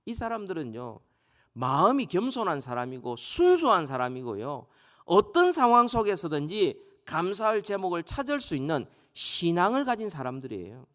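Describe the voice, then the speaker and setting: A male pastor preaching a sermon in a church, stressing key words by rising louder and slowing down. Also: sits high, very animated. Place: church sanctuary. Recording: long reverb of a church hall.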